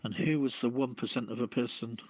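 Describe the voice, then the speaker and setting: A man hosting a casual talk show and reading out news in a halting way, on a dull lo-fi voice chat. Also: medium pitch, fairly even intonation. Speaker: host.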